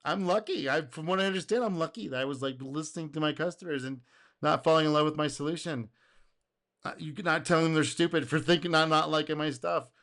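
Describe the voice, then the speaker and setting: A man hosting a casual reaction video, speaking in an animated way, laughing and acting out quotes, his voice going a little hoarse. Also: a little high, fast. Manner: animated, exclaims and laughs, acts out customer quotes. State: getting hoarse.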